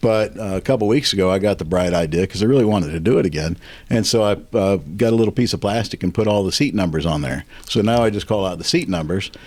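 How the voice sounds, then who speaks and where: Speaking very fast, this man keeps his pitch fairly low. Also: ordinary pitch variation. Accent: slight Southern US. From US South, North Carolina. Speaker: movie theater owner. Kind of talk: casual interview.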